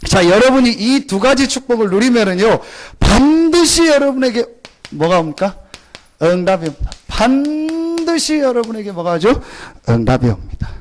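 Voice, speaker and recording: A man preaching a Sunday sermon as pastor, firing questions at the congregation and answering them himself. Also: high voice. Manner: call-and-response questions to the congregation; acts out short exclamations in a mock rural voice. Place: church sanctuary.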